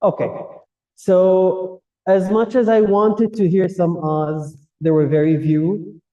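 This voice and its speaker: A man with a Kuwaiti Arabic accent and a very dark, soft-edged tone sits fairly high in pitch. He explains his points directly to listeners as a club evaluator, in semi-formal English shaped by his native Arabic. The recording is dull and picked up away from the mic. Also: flat delivery, slow. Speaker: general evaluator at a public speaking club meeting. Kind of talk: semi-formal spoken feedback to a club audience. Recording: distant mic, dull muffled sound.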